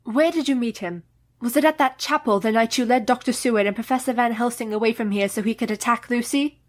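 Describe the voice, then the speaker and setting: An actress playing an earnest young married woman who questions a madman gently and steadily. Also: on the high side, brisk, lightly acted.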